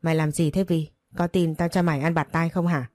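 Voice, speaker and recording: A woman's voice: low voice, steady tone, a little fast, a little mellow, no room sound, close to an everyday voice. A woman reading a story voices a drunk, brutal young husband who snarls threats. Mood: threatening. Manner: snarling, bullying.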